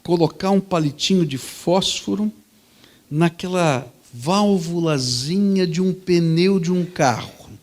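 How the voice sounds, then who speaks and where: Pastor telling a story. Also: male voice, high voice, slow pace. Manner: lively, conversational storytelling. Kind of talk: sermon storytelling.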